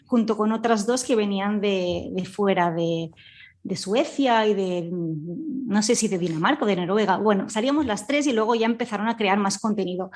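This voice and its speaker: A woman's voice: mid-range voice, normal speed, a little mellow. A woman with a Spanish accent from Spain, telling her story as a guest in a casual, chatty, informal conversational style with colloquial asides. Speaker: guest, audio fiction scriptwriter.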